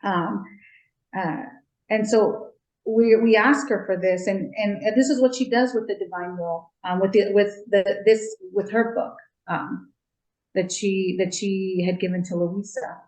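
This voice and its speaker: A woman who is a religious sister, answering gently in an interview with many ums and restarts. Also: medium pitch, steady tone, unhurried, roomy sound, rough recording.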